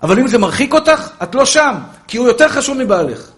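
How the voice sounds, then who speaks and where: Fervent high-voiced preaching man. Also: very animated, roomy sound. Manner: fervent preaching with sudden soft, coaxing asides; calls listeners "my brother" and "pure soul". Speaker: rabbi. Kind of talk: sermon.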